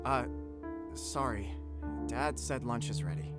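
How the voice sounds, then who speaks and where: A man's voice: medium pitch, expressive, slow, over music. An actor playing an easygoing, cheeky teenage boy in an audio drama, talking casually and breezily. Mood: sheepish.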